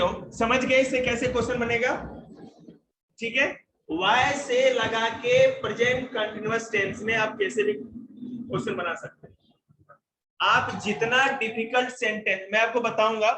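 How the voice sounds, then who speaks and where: A male teacher giving a spoken English lesson to a class, slowly explaining each example sentence in Hindi and English. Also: high-pitched, bright, forceful tone, reverberant, slight background noise, low-quality recording.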